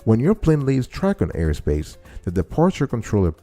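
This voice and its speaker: A man's voice: mid-range voice, huge pitch swings, normal speed, warm tone, faint music behind. A man hosting an informal explainer, teaching step by step and restating key phrases to his listeners. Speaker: show host and explainer.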